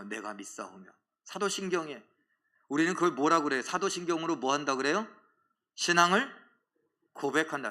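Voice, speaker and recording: Korean pastor preaching with bright intensity. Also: male voice, fairly high pitch. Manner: swings between loud exhortation and hushed near-whisper; questions the congregation directly. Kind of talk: sermon.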